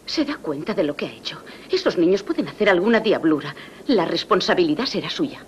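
A woman's voice: lowish voice, sing-song, fairly quick, slight background noise. A woman dubbing a composed, firm young nun who runs a parish school in an old film. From Sweden. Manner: proper, composed, mildly reproving. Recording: muffled old film soundtrack.

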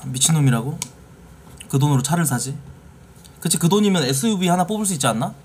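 A man streaming a game live, talking casually and yelling and swearing at it. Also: fairly high pitch, fast, slight background noise. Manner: excitable, swears and yells at the game.

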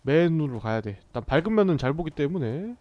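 A man's voice: on the high side, very animated, fast talker. A man giving casual let's-play commentary as a gaming streamer, joking and bantering with the characters on screen, recorded on a dull lo-fi mic.

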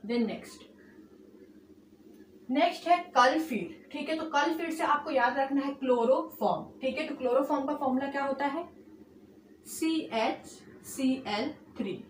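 A woman's voice: sits high, slight background noise. A woman teaching a chemistry lesson at a board, mixing English and Hindi, checking in with "okay" after each step, drawing out key terms and hurrying the rest. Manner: mixes English and Hindi, repeats "ठीक है" and "alright" as check-ins; stretches key terms slowly, rushes the linking phrases. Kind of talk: whiteboard lesson. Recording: echoey room, far from mic.

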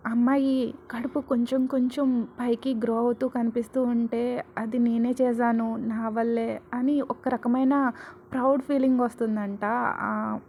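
A woman storyteller narrates a serial romance in a loose, chatty way, talking straight to her listeners. Her voice sits fairly high yet sounds soft and mellow. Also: level tone, measured pace, a little hiss or hum. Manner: chatty, conversational.

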